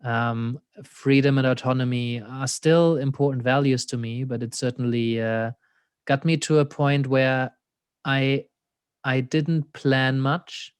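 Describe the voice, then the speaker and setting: A man's voice: mid-range voice, steady tone, a little slow, clear, resonant tone, dry recording. A man with a German accent, an existential coach talking thoughtfully as an interview guest, laughing often and leaning on "you know.". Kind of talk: reflective conversational interview.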